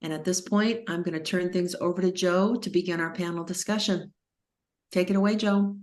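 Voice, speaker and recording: A woman hosting an online panel, reading formal introductions of each speaker in a measured way. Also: lowish voice, steady tone, a little mellow. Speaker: event host introducing panelists. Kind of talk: scripted introductions read aloud.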